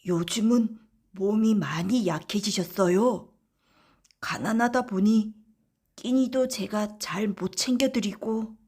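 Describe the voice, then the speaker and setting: A woman's voice: mid-range voice, takes it slowly, a little mellow, breathy edge. A woman voicing a kind, timid young male woodcutter, earnest and deferential, in a children's folktale audiobook. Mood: pleading, earnest. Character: kind young male woodcutter, devoted son, timid but quick-witted.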